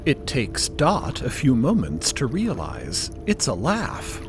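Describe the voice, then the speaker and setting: A man's voice: medium pitch, huge pitch swings, takes it slowly, over music. A man narrating a scripted fantasy story in a theatrical, descriptive style.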